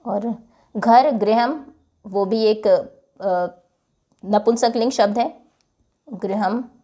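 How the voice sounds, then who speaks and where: A woman's voice: medium pitch, very slow, warm tone. A woman teacher giving a classroom lesson, patiently repeating each word and then explaining its meaning, with English words mixed into her talk.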